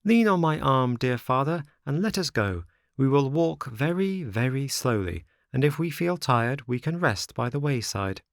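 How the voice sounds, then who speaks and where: A man's voice: mid-range voice, lively intonation, measured pace, vocal fry, few pauses, no room sound, clean studio sound, pitched above the performer's own voice. A man voicing an earnest little boy marionette in a storybook reading, with an emphatic, declamatory way of speaking. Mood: tender. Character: earnest, grateful little boy marionette, scolding when wronged.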